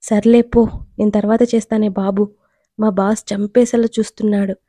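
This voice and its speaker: A woman plays a harried young brother in a storybook tale, pleading and rushed. The voice is dark and warm. The recording is dry and close. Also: medium pitch, flat delivery, no room sound, close to an everyday voice. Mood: hurried. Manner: pleading, hurried.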